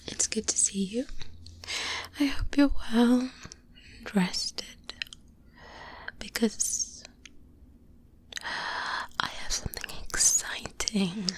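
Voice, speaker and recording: A woman playing a confident, wary vampire hunter mentor in a soft-spoken, breathy ASMR roleplay, close to the microphone with hesitant pauses. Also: fairly high pitch. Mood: friendly, secretive. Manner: slow, hesitant pauses, intimate. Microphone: close-up binaural microphone.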